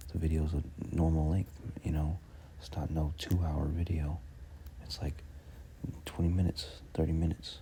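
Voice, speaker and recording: This soft-spoken man has a very deep, low pitch and fairly even intonation. His pace is moderate. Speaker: religious teacher. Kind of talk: religious lesson. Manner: halting.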